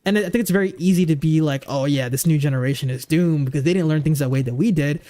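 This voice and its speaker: A man's voice: fairly high pitch, fast talker, dark tone. A man in his twenties chatting casually on a livestream, rambling with lots of fillers and restarts, goofy and easygoing. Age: 20s.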